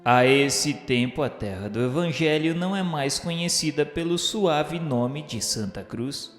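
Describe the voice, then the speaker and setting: A man with a Brazilian accent narrates a scripted radio drama in a solemn, formal, literary style. His fairly high voice has lively intonation and a measured pace. The recording has long, echoey reverb with music playing behind him.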